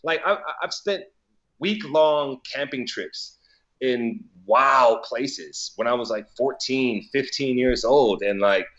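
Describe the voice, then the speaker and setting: A man's voice: medium pitch, a bit bright, lo-fi sound. A man from Colorado talking as a guest in a casual conversation, loose and profane, with lots of filler words and easy laughs. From Colorado, USA. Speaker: guest, DJ and business owner.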